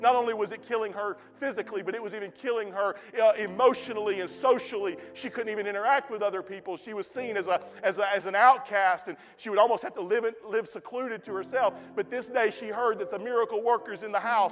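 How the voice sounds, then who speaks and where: A man talks at a very fast pace in a high pitch, with fairly even intonation. His loudness swings a lot. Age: 40s. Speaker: pastor. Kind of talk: sermon. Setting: church.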